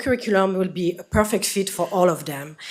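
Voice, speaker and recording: A woman speaks with a French accent. Her pitch varies in an ordinary way. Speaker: parent speaking at public comment. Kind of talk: public comment at school board meeting. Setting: school board meeting room. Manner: hesitant, with fillers.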